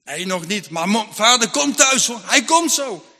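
A man's voice: high voice, expressive, a little slow, pushed and bright, full character voice. A man doing an anxious farm mother. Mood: urgent. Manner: urgent, imploring. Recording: long hall reverb.

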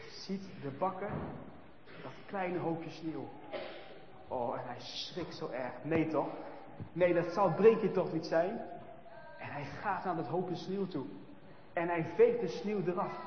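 A man telling a children's story in a lively, expressive way, swinging between hushed and loud. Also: fairly high pitch, takes it slowly, pauses often, slight background noise. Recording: echoey hall, dull sound, faint ambience.

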